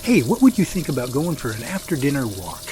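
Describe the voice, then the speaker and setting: A man's voice: medium pitch, huge pitch swings, a little fast, a little mellow, a little hiss or hum. A man playing an easygoing field researcher who coaxes playfully, in an amateur audio drama. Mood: coaxing.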